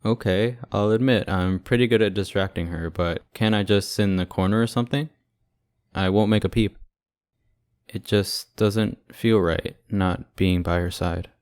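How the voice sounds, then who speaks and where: Man acting devoted boyfriend, deep voice, close dry sound, casual, protective, gently teasing, ASMR roleplay. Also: fairly even intonation, normal speed, clear, resonant tone, no echo, natural voice. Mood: protesting. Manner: casual, conversational.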